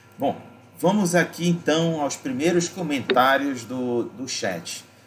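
Noticeable background noise sits behind a man with a fairly high pitch. He talks at a fairly slow pace with ordinary pitch variation. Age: 20s. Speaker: RPG streamer and host. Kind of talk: casual panel discussion.

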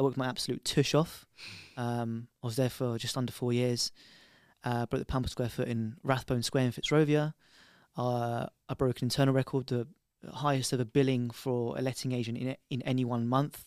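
A man talks at medium pitch and a fairly quick pace in a monotone, flat voice, captured dry and close with no echo on a very clean recording with a silent background. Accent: London. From London. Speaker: luxury real estate advisor. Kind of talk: casual chat. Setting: studio.

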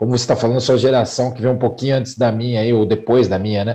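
The speaker is a man. His voice sounds dark and mellow. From São Paulo state interior, Jundiaí. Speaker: former footballer turned sports commentator. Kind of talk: casual interview chat.

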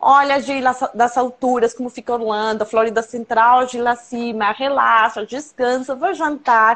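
Speaking with a Colombian accent, a woman uses a high pitch and fairly even intonation, moving at a fairly slow pace with hardly any pauses. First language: Spanish (speaking Portuguese). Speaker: tourism representative. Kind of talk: casual chat.

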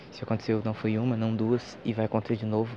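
A man talks rather quickly in a medium register, his intonation monotone and flat. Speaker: solo podcaster. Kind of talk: casual monologue. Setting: at home while cooking. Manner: halting, stammers when improvising.

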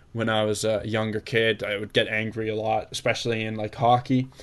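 At a fairly quick pace, a man speaks in a plain, everyday voice at medium pitch. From Canada, with early childhood in England and Belgium. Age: young. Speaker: podcaster. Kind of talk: casual chat.

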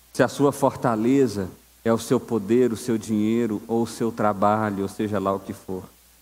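A man's medium-pitched voice with a Brazilian accent, a moderate pace and fairly even intonation. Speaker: pastor. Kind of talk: sermon. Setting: church. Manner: earnest, preaching cadence, rhetorical questions.

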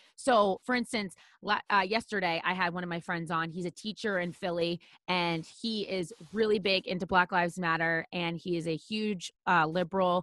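In an American accent, an unremarkable speaking voice moves at a moderate pace with fairly even intonation, the sound dry and close with no echo on a very clean recording with a silent background. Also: woman, medium pitch for a woman. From Dighton, Massachusetts. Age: 20s. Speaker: former radio host, podcaster. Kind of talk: casual chat.

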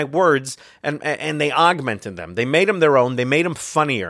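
On a very clean recording with a silent background, a man talks. He has an American accent. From San Diego, California. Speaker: humorist and comedy writer. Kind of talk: interview. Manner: fast.

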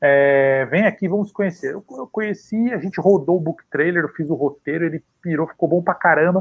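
A man's high-pitched voice with ordinary pitch variation and hardly any pauses. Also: moderate pace. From Brazil, São Paulo city. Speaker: paranormal storyteller and author. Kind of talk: casual interview chat. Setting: live video stream.

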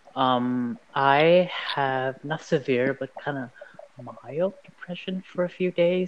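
A man speaks with a Vietnamese accent at medium pitch, with ordinary pitch variation. There is noticeable background noise. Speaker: university student. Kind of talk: casual chat. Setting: studio.

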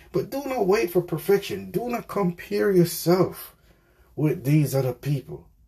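Somewhat breathy and dark, mellow in tone, a man speaks at a fairly slow pace with very wide pitch swings. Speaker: podcast host. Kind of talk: motivational monologue.

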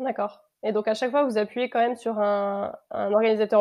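In monotone, flat intonation, a woman talks at a fairly high pitch. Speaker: podcast host. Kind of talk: podcast interview.

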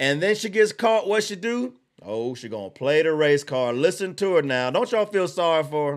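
A man with a Southern US accent uses a raised, projected voice and a bright, sharp tone at a moderate pace. His pitch swings very widely, and the recording is very clean with a silent background. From US South, Georgia. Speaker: political podcast host. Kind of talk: political commentary livestream. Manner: animated.

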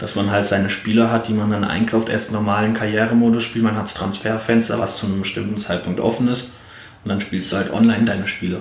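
Over noticeable background noise and audible room echo, a man rattles along at a very fast pace, his fairly low voice monotone and flat. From Germany, Mainz. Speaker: university student, esports fan. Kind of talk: casual chat.

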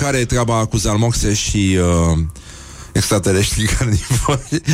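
Over noticeable background noise, a man of medium pitch speaks at a fairly slow pace with lively intonation. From Sălaj county, Romania. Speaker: morning radio show host. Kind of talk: casual chat.

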